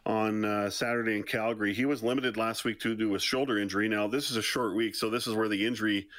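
A man working as a football colour commentator, giving conversational radio analysis in a deep voice. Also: fairly even intonation, fast talker, fairly bright tone, no room sound.

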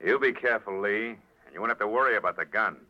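Deep-voiced hard-boiled radio detective, played by a man. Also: fast, lightly acted. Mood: hard, sardonic. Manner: clipped, wisecracking, hard-boiled delivery. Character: hard-boiled male private detective, tough, wry narrator. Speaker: lead actor and narrator. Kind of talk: 1940s radio detective drama acting. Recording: dull old radio broadcast recording with music.

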